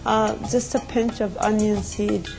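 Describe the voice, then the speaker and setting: A woman's voice: medium pitch, flat delivery, measured pace, gravelly, over music. A woman explaining her family's customs in a personal way as an interviewee. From United States. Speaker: interviewee sharing family experience.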